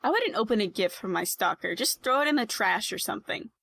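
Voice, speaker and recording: A woman's voice: mid-range voice, lively intonation, fairly quick, vocal fry, fairly bright tone, no echo. A woman playing a skeptical, blunt older sister in an audio drama. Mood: dismissive. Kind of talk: hobby audio drama acting.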